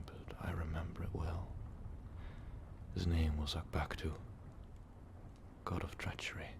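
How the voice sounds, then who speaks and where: Man acting as a whispering, gravelly ancient vampire overlord. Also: full character voice. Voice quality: breathy, gravelly low whisper. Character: ancient, brooding male vampire overlord, tormented former rebel. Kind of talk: whispered ASMR roleplay monologue.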